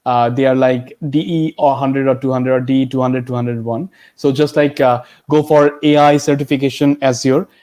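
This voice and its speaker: A man speaking as a guest tech expert, explaining informally and haltingly with many filler words. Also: mid-range voice, flat delivery, a little mellow. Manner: halting, peppers sentences with "like". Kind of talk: informal question-and-answer explanation.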